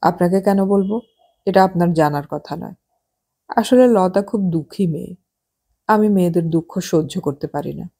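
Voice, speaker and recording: A woman's voice: lowish voice, normal speed, gravelly, pauses often, mellow, husky. A woman doing a rambling, insistent husband. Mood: emphatic. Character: excitable middle-aged Bengali husband, unsteady mind.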